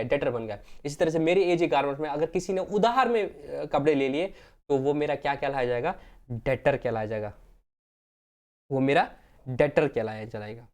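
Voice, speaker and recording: A man's voice: fairly high pitch, darkish tone. A man teaches an accounting lesson from the board. He drills key terms through repetition and answers his own questions, speaking to his students as friends. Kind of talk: classroom lecture, Hindi mixed with English terms.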